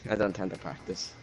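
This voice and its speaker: A man's voice: sits low, darkish tone. A man from Wales giving a casual post-race interview as an online racing driver.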